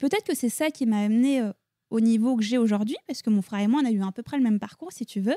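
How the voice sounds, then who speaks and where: A woman talks at a very fast pace in a fairly high pitch, somewhat breathy, with a dark, mellow tone, ordinary pitch variation, and a dry, close sound with no echo. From France, Paris suburbs. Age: 30s. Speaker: clinical psychologist. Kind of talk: interview. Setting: therapist's office. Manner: casual.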